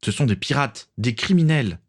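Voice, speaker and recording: A man's voice: mid-range voice, expressive, moderate pace, pitched above the performer's own voice. A man voicing a protective, defiant teenage boy who talks in a tense, raised voice.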